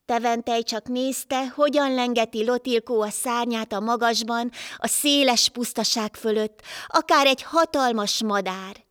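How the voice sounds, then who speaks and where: A woman narrating a folk tale in a calm, measured storytelling manner. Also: fairly high pitch, no room sound, clean studio sound.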